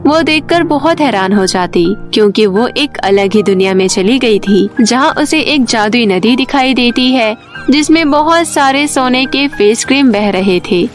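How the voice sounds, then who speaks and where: A woman narrates a scripted children's moral story in a high-pitched voice. Faint music plays beneath her storytelling. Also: animated, measured pace.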